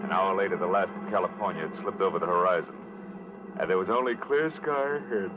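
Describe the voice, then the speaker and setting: Guy acting a low voiced american private eye, sardonic and clipped, old radio show, muffled with loud music behind. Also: a little fast, lightly acted. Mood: relaxed, wry. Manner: wry, clipped, tough-talking. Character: hard-boiled, wry male private detective, impatient and sardonic. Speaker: lead actor and narrator. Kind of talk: 1940s-50s radio noir narration and acting.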